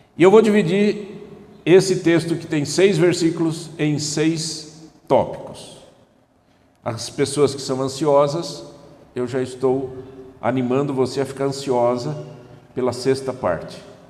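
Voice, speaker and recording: With a Paraná accent, a man talks at a very slow pace, leaving long, frequent pauses. His pitch sits fairly high, and the room echo is audible. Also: ordinary pitch variation. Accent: Paraná Brazilian Portuguese. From Paraná, southern Brazil. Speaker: pastor. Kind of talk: sermon. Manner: animated, conversational.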